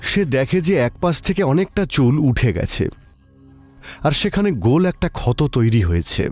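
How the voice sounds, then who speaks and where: A man giving a suspenseful, expressive narration of a scripted horror story. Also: mid-range voice, normal speed, soft background music.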